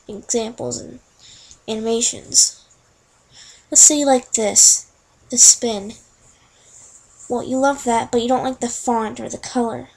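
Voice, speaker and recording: A young woman chatting through each click in a casual screen-recorded software tutorial. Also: on the high side, slightly rough, rough recording. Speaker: tutorial narrator.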